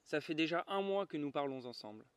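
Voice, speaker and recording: Allumeur de réverbères las et fidèle, lu par un homme, ton résigné, voix assez haute. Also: male voice, on the high side, animated, a little fast, clear, resonant tone, no echo, lightly acted. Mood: weary. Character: weary male lamplighter, dutiful and tired.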